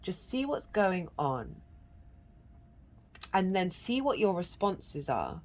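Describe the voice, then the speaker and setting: A woman's voice: fairly low pitch, very animated, slow pace, a little mellow. A woman giving a channelled tarot reading, congested from a cold. She talks in an earnest, meandering way with many restarts and breaks into chanted syllables. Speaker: tarot reader.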